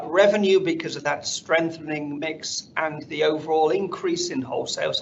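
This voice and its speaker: A man presenting company results on an earnings call in a measured, businesslike manner. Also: gravelly. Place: conference call. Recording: dull, noisy conference line with rumble.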